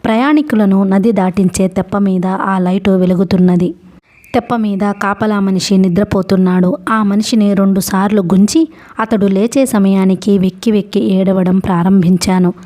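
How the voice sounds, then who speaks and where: A woman narrates a novel chapter by chapter in a steady, measured storybook style. Her voice is mellow and warm, never sharp. Her pitch sits in an ordinary middle range.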